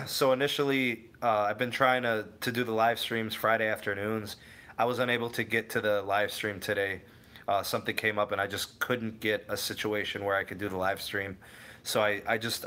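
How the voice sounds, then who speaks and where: A man's voice: fairly low pitch, bright, forceful tone. A young man from the Cleveland area casually hosting a tech livestream, answering viewers by name and often backtracking mid-thought. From Cleveland area, USA. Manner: rambling, self-correcting, answers viewers by name. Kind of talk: casual live chat reading viewer comments.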